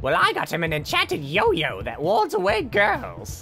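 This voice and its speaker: A man uses a cartoonish character voice, raised and projected. He goes at a moderate pace over clear background noise. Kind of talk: comic puppet sketch. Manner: grandly cheerful, whimsical.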